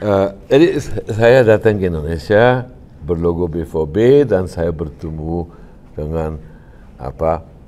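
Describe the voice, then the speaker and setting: A man's very deep, low voice, fairly slow, with lively intonation and long, frequent pauses. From Germany, Ruhr area. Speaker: Indonesianist scholar. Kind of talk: casual interview chat.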